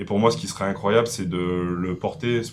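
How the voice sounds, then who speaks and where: A man speaks at a moderate pace. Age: 20s. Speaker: amateur rugby player. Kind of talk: interview answer. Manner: hesitant, many fillers.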